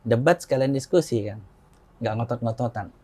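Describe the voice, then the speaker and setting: A man in his forties from Indonesia, an interview guest telling a personal story in a relaxed conversational way, acting out quoted dialogue in a raised voice and chuckling often. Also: medium pitch, normal speed.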